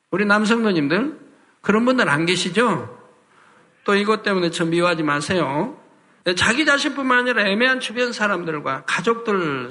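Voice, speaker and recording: High bright-voiced man preaching earnestly. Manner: earnest, full of rhetorical questions. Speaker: pastor. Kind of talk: sermon.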